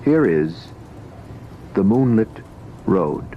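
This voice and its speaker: An ominous old-time radio announcer for ghost stories. He speaks low and very deliberately, with solemn weight. The recording sounds dull. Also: sing-song, heavily acted. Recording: muffled old radio recording, faint noise.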